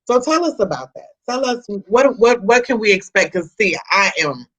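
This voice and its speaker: Forty-something woman talk host, bright tone, chatty, laughs easily. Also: medium pitch, normal speed. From Chicago. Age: 40s. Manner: lively, laughs often, repeats herself. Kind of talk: casual interview chat.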